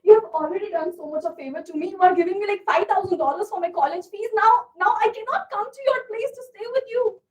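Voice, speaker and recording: A woman acting as a struggling young student in a stage play, her very high voice pleading and breaking as she stammers over her words. She sounds set back from the mic across a stage. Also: fast talker, hardly any pauses, distant mic. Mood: tearful gratitude. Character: struggling young female international student, desperate. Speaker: stage actor in a one-act play. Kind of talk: live stage monologue.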